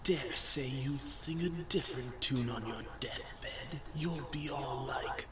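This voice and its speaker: A man voicing an evil talking skull in a video game, a pompous, gloating villain with a breathy, whispery, theatrical and sneering delivery. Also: mid-range voice, slow, over music, lightly acted. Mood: mocking contempt. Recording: echoey, distant, crowd-like noise behind.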